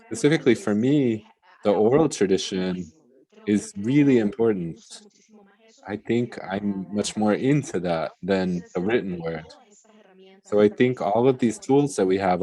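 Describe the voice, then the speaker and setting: An interpreter rendering a panel discussion into English live, in halting phrases with pauses. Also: sits low, warm tone, low-quality recording.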